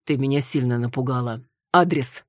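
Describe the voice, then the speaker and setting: A woman's voice: rumbling low, moderate pace, darkish tone, dry recording, studio quality. A woman reading an audiobook, voicing a terse, decisive man with clipped short lines. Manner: laconic, clipped.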